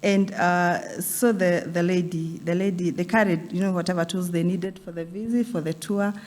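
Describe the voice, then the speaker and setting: Woman guest, low-pitched, soft-spoken storyteller. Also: steady tone, moderate pace. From Kenya. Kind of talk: casual studio chat.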